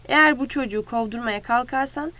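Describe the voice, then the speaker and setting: A woman voicing a calm, authoritative man who takes charge in a storybook reading. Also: fairly high pitch, fairly quick. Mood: firm. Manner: firm, level-headed. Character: calm authoritative male ranch leader.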